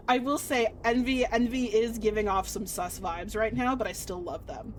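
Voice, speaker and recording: A woman's voice: a little high, fairly even intonation, unhurried, slight background noise. A woman streaming a visual novel, reading narration aloud and adding playful, reactive asides for her chat. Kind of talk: game playthrough with read-aloud narration and chat commentary.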